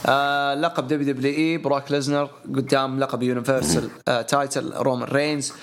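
A man's voice: medium pitch, little pitch movement, fast talker, gravelly. A man, co-hosting a podcast in casual chat and laying out his opinions point by point. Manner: talkative, opinionated, runs through lists. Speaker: podcast co-host.

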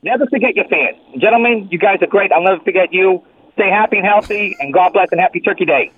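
A man's voice: sits high, fast. A male caller on a radio show, heard through an old flip phone, rambling politely through a complaint. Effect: old flip phone call. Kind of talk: call-in radio chat. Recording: tinny flip phone line.

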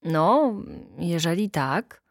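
A woman's voice: fairly low pitch, lively intonation, extremely slow, no echo, clean studio sound, heavily acted. A woman reading a story aloud and voicing a hesitant male delegate from out of town who speaks in a raised voice. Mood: eager.

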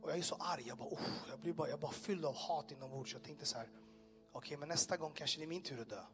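A man speaking in a high voice relates his own testimony to people gathered in a room, with soft music in the background. He animates the story with sound effects and keeps turning to the audience with direct questions.

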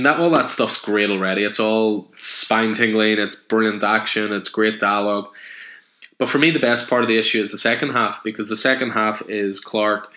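A man's voice: on the low side, sharp tone. A man casually and enthusiastically retelling a comic book story, rambling with fillers. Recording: echoey room.

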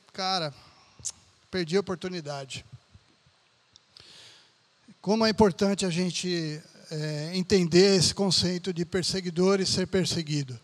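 A man preaching a conversational sermon as pastor, often tagging his sentences with questions. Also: high-pitched.

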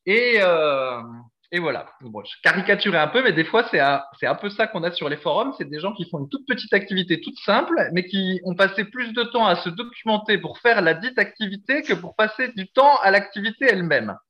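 A man's voice: high-pitched, lively intonation, fairly quick. A middle-aged man co-hosting a sports podcast, chatting casually and teasing his partner with jokey stories. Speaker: podcast co-host. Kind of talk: casual chat. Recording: dull lo-fi sound.

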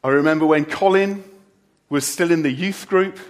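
At a church service, a middle-aged male church leader delivers a farewell sermon, tossing joking asides to the congregation. His voice is on the high side and moves at a normal speed.

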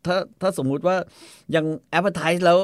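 A man co-hosting a casual comedic chat, telling stories in an animated way and acting out bits. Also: high voice, moderate pace, no echo, studio quality. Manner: animated storyteller, acts out role-play lines. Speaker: podcast co-host.

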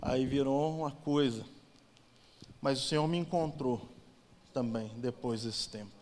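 In an echoing church hall, a man from Brazil shares his personal testimony in an unhurried, mid-range voice, with slight background noise audible. His storytelling is emotional, rising to loud passages and dropping to near whispers.

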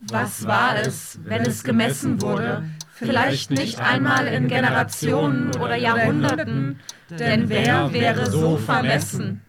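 An actress playing a solemn, searching narrator who speaks poetic questions in a radio play. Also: female voice, fairly high pitch, a little slow, over a noisy crowd, natural voice.

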